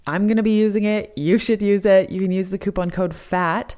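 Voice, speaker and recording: A young adult woman with a hoarse, strained voice, hosting a solo podcast in an upbeat, enthusiastic way. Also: mid-range voice, steady tone, a little fast, a little mellow. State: hoarse, lost her voice. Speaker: podcast host. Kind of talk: solo podcast chat with sponsor reads.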